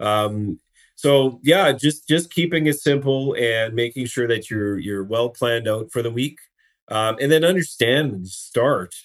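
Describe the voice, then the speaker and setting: A man with a Canadian accent speaks fairly slowly at a medium pitch with ordinary variation, on a very clean recording with a silent background. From Ontario, Canada. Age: 50s. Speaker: program member sharing weight-loss story. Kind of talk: interview testimony. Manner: halting, many fillers.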